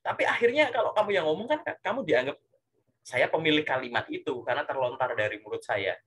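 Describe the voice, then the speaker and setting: A man giving casual career coaching, animated and full of rhetorical questions and filler tags. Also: a little high, fast, slight background noise.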